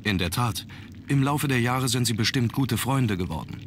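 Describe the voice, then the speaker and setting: An actor playing a composed, courteous young aristocrat in an adventure game, measured and formal. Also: male voice, mid-range voice, lively intonation, a little hiss or hum, close to an everyday voice. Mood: composed, polite. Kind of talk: scripted adventure game dialogue.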